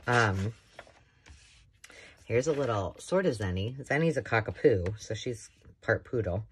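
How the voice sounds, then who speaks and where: A woman's voice: rumbling low, lively intonation, measured pace, a little hiss or hum. A woman hosting a casual show-and-tell of thrifted books, chatty and rambling with enthusiastic asides, filmed indoors at a craft table. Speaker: craft channel host.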